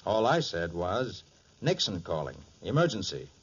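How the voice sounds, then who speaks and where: A master detective from an old radio crime serial, assured and emphatic. His husky voice moves with lively inflection, on a dull vintage recording. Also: sits low, measured pace, full character voice. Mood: assured, explaining. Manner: assured, emphatic, explains deductions crisply. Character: confident, sharp master private detective, adult man. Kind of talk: 1940s radio crime drama acting.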